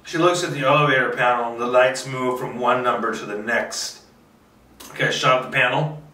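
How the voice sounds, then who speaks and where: A man doing a screenplay table read with casual asides, halting as he thinks aloud. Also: medium pitch, steady tone, pushed and bright. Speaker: script reader, filmmaker. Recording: roomy, distant microphone.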